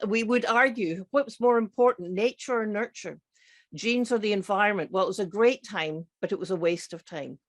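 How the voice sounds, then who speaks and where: Enthusiastic Scottish-accented woman speaker. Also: medium pitch. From grew up partly in Scotland. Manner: enthusiastic, emphatic, repeats key words. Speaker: psychiatrist and keynote speaker. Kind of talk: conference presentation.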